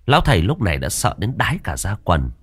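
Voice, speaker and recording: A man narrating a horror story in an expressive, suspenseful way. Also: deep voice, fast talker, vocal fry, breathy edge.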